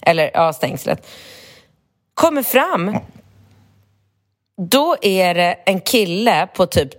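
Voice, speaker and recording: A woman's voice: mid-range voice, sing-song. A woman in her forties co-hosting a podcast, telling a story in casual chat, acting out the quotes and swearing freely. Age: 40s. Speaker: podcast co-host.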